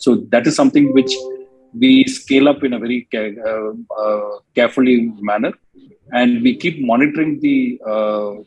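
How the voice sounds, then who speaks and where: A man with an Indian accent speaking as an executive answering questions on an earnings call in a hesitant, halting way. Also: medium pitch, a little mellow, slightly rough, rough recording. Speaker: hospital company executive.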